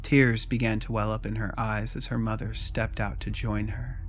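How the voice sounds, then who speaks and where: A man's voice: fairly low pitch, little pitch movement, moderate pace, soft background music. A man narrating a scripted dramatic story.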